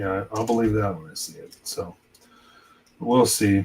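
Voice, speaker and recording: At a fairly slow pace, a man speaks in a fairly low voice with monotone, flat intonation. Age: 50s. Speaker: model kit builder and live streamer. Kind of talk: live stream casual chat. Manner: halting.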